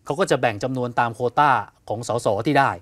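A man co-hosting an evening news show, explaining political events in an animated conversational way, asking rhetorical questions and acting out what others said. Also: medium pitch, fast talker, dry recording. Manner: animated, asks rhetorical questions, acts out quotes. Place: television studio.

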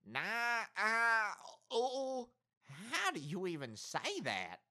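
High, wildly swinging farmer dad played by a man. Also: huge pitch swings, slow, pushed and bright, heavily acted. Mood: offhand. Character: folksy, easygoing farmer father. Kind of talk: comedic audio drama acting.

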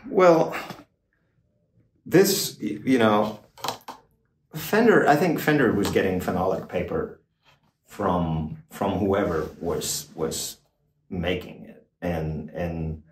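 An older man, a guitar expert guest, explaining in a casual, halting way with many fillers and restarts, in a small backstage room. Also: low-pitched, expressive, distant mic. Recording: roomy, off-mic, faint noise.

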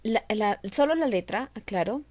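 A woman's voice: a little high, expressive, moderate pace, darkish tone, no echo. A woman introducing her own videos in a casual, giggly, self-deprecating way. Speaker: amateur fandubber and singer presenting own videos.

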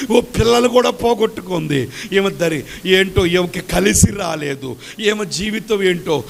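A male pastor preaching a sermon, swinging between shouted, sung exclamations and soft, tender speech. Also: high-pitched, creaky.

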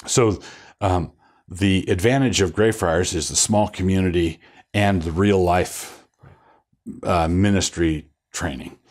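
An older pastor speaks slowly in a low voice during a relaxed studio interview, wearing a lapel mic on a set lined with bookshelves. He wanders through his points, restarting sentences and letting out a wry chuckle.

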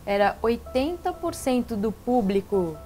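A woman who was once a musician, talking as a panel guest, lively and making a case. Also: fairly high pitch, a little slow, faint music behind. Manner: lively storyteller, argumentative. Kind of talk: casual talk-show conversation. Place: living-room studio set.

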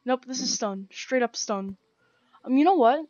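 A young woman with a croaky, sore throat, rambling casually as she plays and comments on a game, full of slang and fillers. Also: sits high, animated, measured pace, darkish tone, no room sound, highs cut off. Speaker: gaming channel host. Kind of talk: casual let's-play commentary. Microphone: gaming headset.

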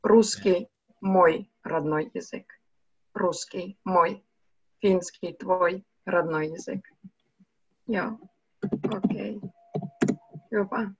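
A young woman teaching a language over a video call, speaking slowly and patiently and switching between two languages. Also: fairly low pitch, creaky, breathy edge, no echo. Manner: slow, patient, switches between Russian and Finnish. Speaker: online Russian teacher. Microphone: video call webcam mic. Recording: muffled, dry video call audio.

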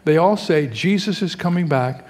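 Older preacher in a reverberant hall. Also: male voice, fairly high pitch, lively intonation, moderate pace, darkish tone. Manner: conversational preaching with rhetorical questions. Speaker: pastor. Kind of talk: sermon.

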